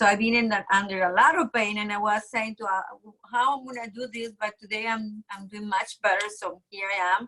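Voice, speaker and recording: Using a bright, sharp tone, a woman with a Latin American accent speaks at a moderate pace with fairly high pitch and fairly even intonation. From South America. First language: Spanish. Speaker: network marketing business owner. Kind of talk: interview on a group call. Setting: group call.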